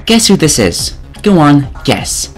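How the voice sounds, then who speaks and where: A man's voice: fairly high pitch, big pitch swings, slow, soft background music. A man narrating a scripted comedic game review in an exasperated, sarcastic way.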